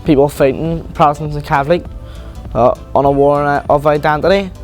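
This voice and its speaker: A man's voice: fairly high pitch, steady tone, moderate pace, darkish tone, faint music behind. A young man from Belfast with a Belfast accent, answering interview questions hesitantly with many fillers. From Northern Ireland. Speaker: visiting student interviewee.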